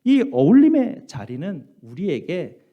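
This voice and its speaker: A man's voice: unhurried, muffled recording. A man preaching a Sunday sermon as pastor, telling stories and acting out voices with big swings. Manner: animated storytelling, acts out quoted voices with big pitch jumps. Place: church sanctuary.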